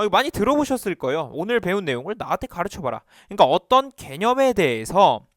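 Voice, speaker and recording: A man coaching viewers on exam study in a lively video lesson, acting out talking to himself as he explains. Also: on the high side, dry recording, clean studio sound. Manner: animated, talks to himself to demonstrate.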